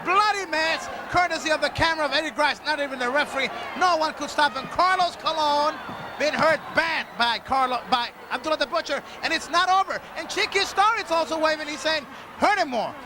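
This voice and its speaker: High-pitched male lucha libre announcer. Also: a little fast. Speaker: wrestling commentator and show host. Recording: noisy archival arena broadcast, crowd behind. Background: loud wrestling crowd.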